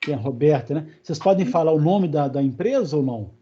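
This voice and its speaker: A man's voice: a little high, animated, a little fast, dark tone. Chatty Brazilian man lecturing online. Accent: Brazilian Portuguese. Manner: conversational, many fillers and check-ins with students. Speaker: university lecturer. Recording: dull, lo-fi online class audio.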